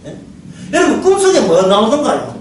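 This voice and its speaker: A man preaching a sermon as pastor, lively, often laughing and asking his listeners questions. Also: very high voice, brisk, distant mic. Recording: very echoey hall, mic from afar, faint noise.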